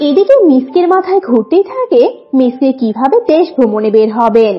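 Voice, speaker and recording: A woman's voice: sits high, expressive, normal speed, muffled recording, faint music behind. A woman narrator reading a scripted children's animal story.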